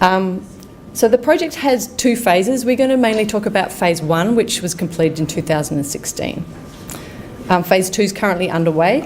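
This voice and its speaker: Spoken at a fairly quick pace with an Australian accent, the voice comes through over noticeable background noise. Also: woman, medium pitch for a woman, lively intonation. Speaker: researcher and physiotherapist presenting. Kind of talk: research presentation.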